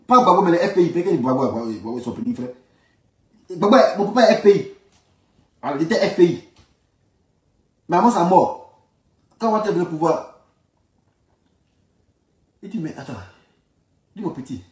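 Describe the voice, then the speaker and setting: Animated and high-voiced, a man from Ivory Coast speaks at normal speed and pauses often. In an Ivorian French accent he gives informal political commentary, insisting and repeating phrases emphatically. The room echoes and he is far from the mic.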